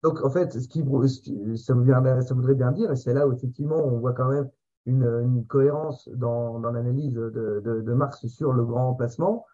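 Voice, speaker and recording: Dark, husky male interviewer. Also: medium pitch, fairly even intonation, normal speed. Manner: probing, rephrasing the guest's ideas. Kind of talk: political discussion. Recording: dull lo-fi sound.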